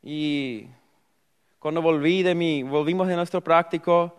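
A man's voice: a little high, steady tone, a little slow, clear, resonant tone, long reverb tail. A young man with a Paraguayan Spanish accent giving an earnest sermon testimony, acting out his inner thoughts as he tells his story. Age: young adult. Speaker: preacher.

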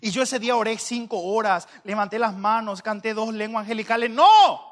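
Male preacher; high, sharp-toned voice; conversational, humorous storytelling. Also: fairly even intonation, brisk. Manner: joking, conversational, bursts of loud emphasis.

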